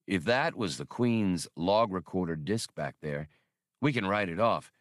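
A man's voice: low voice, lively intonation, measured pace, no echo, studio quality. A man voicing a seasoned, practical male treasure hunter in an audiobook. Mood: speculating.

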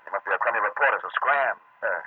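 An actor playing a wary, gruff American henchman in a 1940s radio crime drama, with a husky voice. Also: fairly low pitch, rapid-fire. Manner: wary, brush-off talk. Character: gruff, suspicious male henchman guarding his boss. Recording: narrow-band old radio recording.

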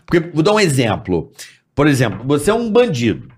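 Brazilian man, high voice, lively swinging tone, casual podcast host. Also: fairly quick, husky. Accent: Brazilian Portuguese. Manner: argues a point with a made-up example. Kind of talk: casual chat.

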